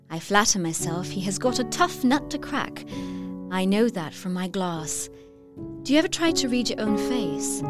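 A woman's voice: medium pitch, lightly acted. A young woman playing a lovestruck, confiding Victorian lady reading her letter in an audio drama, effusively. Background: music under the voice.

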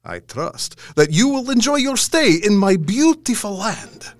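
A menacing vampire nobleman in an audio drama. He is formally gracious and theatrical, with a slow delivery, a fairly high voice and huge swoops of pitch. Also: very animated, dry recording, studio quality. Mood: gracious, sinister.

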